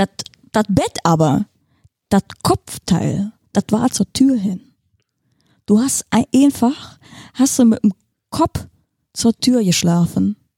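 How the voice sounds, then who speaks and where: Speaking very slowly with long, frequent pauses, a woman uses lively intonation and a fairly high, somewhat breathy voice of dark, mellow tone, recorded dry and close with no echo. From Rhineland, near Mönchengladbach/Düsseldorf. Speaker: podcast co-host. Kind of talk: casual chat.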